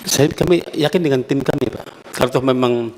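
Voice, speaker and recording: A man's voice: mid-range voice, moderate pace, darkish tone. A man serving as an official who gives formal, deferential answers under questioning at a hearing. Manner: deferential, addresses questioner as sir. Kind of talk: formal testimony. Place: large hearing room. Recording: reverberant hall with faint noise.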